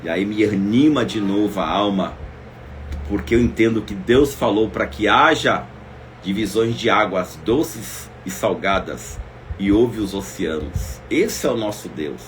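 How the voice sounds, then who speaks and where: A man preaching a devotional Bible lesson, swinging between loud exclamations and soft asides as he speaks straight to his listeners. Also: lowish voice, animated, measured pace, slight background noise. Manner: speaks directly to listeners as "minha irmã".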